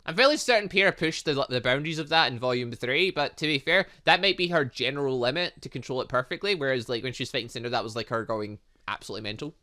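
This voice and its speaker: Bright, animated man gaming. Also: mid-range voice, quick pace, hardly any pauses. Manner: rambling, exclamatory, thinking aloud. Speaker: gaming channel host. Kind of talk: excitable game playthrough commentary.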